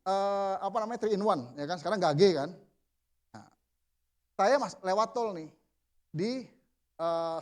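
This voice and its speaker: Conversational pastor preaching. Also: male voice, sits high. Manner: conversational, mixes in casual Jakarta slang, answers his own questions. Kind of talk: sermon to a men's group.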